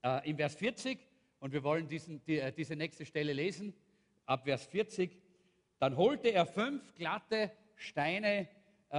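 A man, a pastor preaching a sermon and animatedly retelling a Bible story, acting out the characters. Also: a little high. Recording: long hall reverb.

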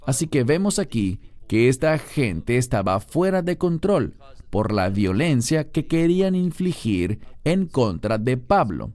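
Lively Spanish-language preacher, dry sound. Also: male voice, medium pitch, unhurried, no echo. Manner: reads verses then explains them. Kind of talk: expository sermon.

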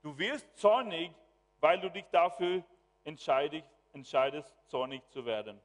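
A man preaching a sermon as pastor, swinging from quiet asides to loud exclamations. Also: fairly high pitch, animated, measured pace, muffled recording. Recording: long hall reverb.

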